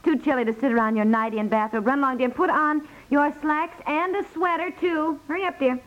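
A woman plays a sensible wife who fusses and needles wryly in an old radio comedy. Her chatty voice sits fairly high, with a thin, phone-like vintage sound. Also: steady tone, a little fast, lightly acted. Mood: fussing. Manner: wry, chatty, naturalistic. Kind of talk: 1950s radio comedy acting. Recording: thin, band-limited 1950s radio recording.

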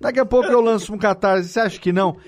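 A man's voice: high-pitched, racing. A man with a Brazilian Portuguese accent hosting a live podcast in a casual, conversational style. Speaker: podcast host.

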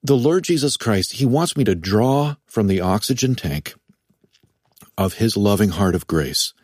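A male author speaks as a studio guest in a low, calm voice. He is reflective and gentle. The recording is dry and close. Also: measured pace, dry recording. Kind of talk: studio interview.

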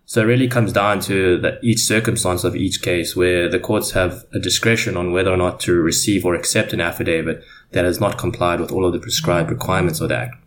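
A man's voice: deep voice, fairly even intonation, a little fast, few pauses, background noise. A man giving formal, wordy explanations as a panelist in a semi-scripted legal discussion.

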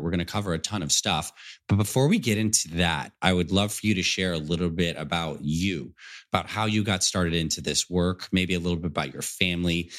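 Low-voiced enthusiastic male podcast host. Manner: energetic, enthusiastic, calls listener "my friend". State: slightly raspy from a cold. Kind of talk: upbeat podcast intro.

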